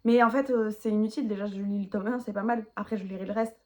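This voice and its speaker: A woman's voice: medium pitch, fairly even intonation, quick pace. Chatty self-mocking French-speaking woman. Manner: chatty, self-mocking, rambling with many asides. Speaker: book vlogger. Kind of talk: casual chat to camera.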